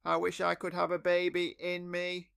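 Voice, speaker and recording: Robot tts guy voice reading stream chat, totally flat monotone, kinda gravelly. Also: sits high, moderate pace, no echo, clean studio sound. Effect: robotic text-to-speech voice. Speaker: stream chat text-to-speech bot.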